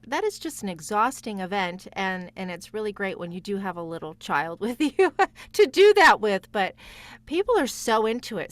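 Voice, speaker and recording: A woman's voice: medium pitch, fairly bright tone. Encouraging woman in a casual chat. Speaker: guest voice actor and playwright.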